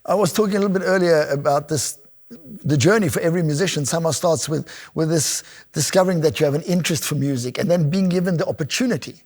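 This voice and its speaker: A man's voice: a little high, fast, a little mellow. A man hosting an interview, asking short prompting questions. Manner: brief prompting questions and affirmations. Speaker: interview host. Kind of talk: conversational interview.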